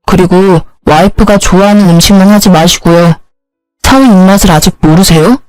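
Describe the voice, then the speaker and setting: A woman's voice: on the low side, moderate pace, a little mellow, no echo, faint music behind, lightly acted, rough recording. A woman voicing a self-centered young husband who talks in curt, demanding scolds. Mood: bossy.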